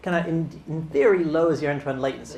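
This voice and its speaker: The speech moves at a fairly quick pace. It comes with a British accent. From UK. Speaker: software engineer and conference speaker. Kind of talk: technical conference talk. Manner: casual, conversational with filler words.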